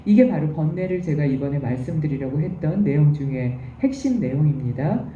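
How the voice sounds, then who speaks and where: A woman's voice: lowish voice, a little hiss or hum. A woman giving a recorded university lecture, explaining terms patiently and step by step. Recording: echoey, distant, dull room recording.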